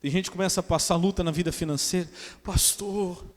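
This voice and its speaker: A man's voice: on the high side, steady tone, rapid-fire, big-room sound. A man with a Brazilian Portuguese accent preaching a sermon as a pastor, mixing joking asides with earnest preaching. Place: church hall.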